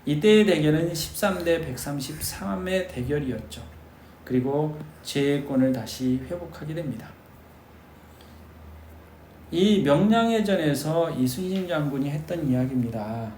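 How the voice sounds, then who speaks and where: A man's voice: a little high, expressive, a little slow, a little mellow. A man giving an exam-prep history lecture, speaking emphatically to his students and asking them rhetorical questions. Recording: echoey room with faint noise.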